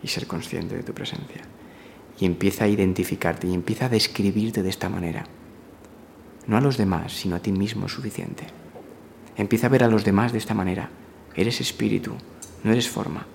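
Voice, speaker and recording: A man giving a calm spiritual talk, repeating affirmations in a slow, steady way. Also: on the low side, vocal fry, slight background noise. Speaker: spiritual teacher.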